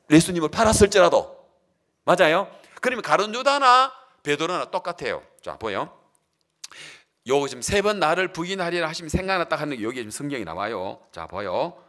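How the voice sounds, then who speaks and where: A man's voice: a little high, very animated, fairly quick, fairly bright tone. A man pastor preaching a sermon, asking the congregation questions and acting out the quotes he reads. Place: church.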